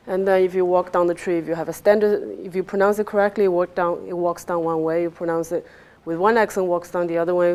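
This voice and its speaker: A woman giving a technical research talk, explaining step by step and often checking with a quick "right?". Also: mid-range voice. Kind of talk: technical lecture with questions from listeners.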